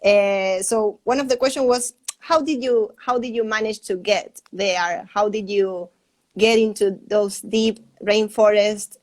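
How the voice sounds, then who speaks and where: Woman on a video call, asks stuff in halting english then translates fast, mid pitch. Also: fairly even intonation. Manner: hesitant English, quick summaries in Spanish. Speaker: interviewer and interpreter. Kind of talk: live interview, translating into Spanish.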